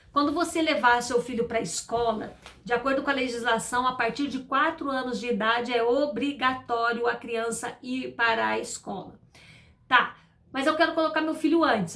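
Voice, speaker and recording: A woman's voice: high-pitched, a bit bright. A middle-aged woman educator with a Brazilian Portuguese accent, giving emphatic advice to parents and repeating her key points. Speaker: school educator. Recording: echoey room.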